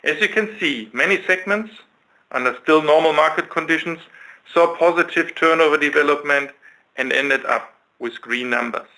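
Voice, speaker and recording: A man giving a scripted financial results presentation as a chief executive, in a formal, measured manner. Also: a little high, sharp tone, poor audio. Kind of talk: scripted financial presentation on an investor conference call.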